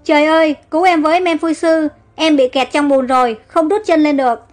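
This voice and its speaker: A woman's voice: sits high, normal speed, faint music behind, natural voice. A woman voicing a young girl who has become a queen, calling out emotionally in a storybook reading. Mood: panicked. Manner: emotional, cries out.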